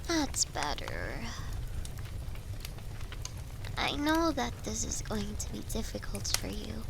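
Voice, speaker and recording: A woman playing a gentle, affectionate young mistress in an intimate roleplay audio, speaking softly, reassuringly and a little hesitantly to her automaton companion, sometimes breathily. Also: a little high, huge pitch swings, measured pace, noisy background, full character voice. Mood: sleepy, affectionate. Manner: tender, reassuring, hesitant, drifting into breathy whispers.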